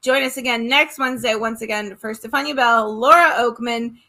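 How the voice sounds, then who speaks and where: Upbeat bright-voiced woman host. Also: on the high side, fairly quick. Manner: upbeat, agreeable, running the segment. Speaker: podcast host. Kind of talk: casual podcast chat.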